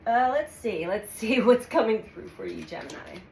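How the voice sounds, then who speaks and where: A woman with a slightly stuffy, cold-affected voice gives a calm, measured tarot reading. She speaks in the middle of her range and pauses as she lays out cards. The sound is roomy, with steady background noise. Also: mid-range voice, vocal fry. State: congested from a cold. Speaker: tarot reader. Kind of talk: weekly astrology tarot reading. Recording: echoey room with audible background noise.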